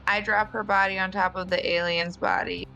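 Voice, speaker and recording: A woman's voice: mid-range voice, little pitch movement, brisk, bright, forceful tone, faint music behind, poor audio. A woman playing a tabletop roleplaying game, casually asking about rules and describing her character's moves.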